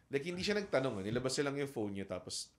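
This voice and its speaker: A man co-hosting a comedy podcast, chiming in with short deadpan remarks and questions. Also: mid-range voice, fast. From Philippines. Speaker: podcast co-host. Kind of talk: casual comedic podcast chat.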